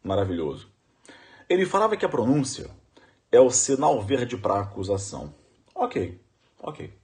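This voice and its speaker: A man's voice: mid-range voice, big pitch swings, a little slow, darkish tone. A middle-aged man with a Brazilian Portuguese accent, giving an emphatic law lecture for exam preparation and repeating questions to his audience. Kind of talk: animated exam-prep lecture.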